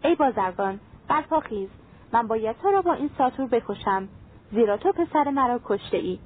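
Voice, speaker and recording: A woman's voice: a little high, animated. A woman voicing an ancient, white-haired male jinn who speaks in a threatening, relentless way, over a tinny phone-like line. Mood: menacing.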